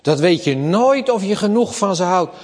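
Preacher guy, slow emphatic sermon, voice a bit high, big church echo. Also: expressive. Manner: slow, emphatic preaching that rises to raised, forceful passages. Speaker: pastor. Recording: long church reverb.

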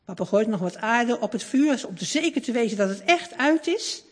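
Woman reading a kids christmas-type story, high voice, lots of ups and downs, long echo like a hall. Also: moderate pace. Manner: warm, expressive, lingering. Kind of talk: reading a children's story aloud.

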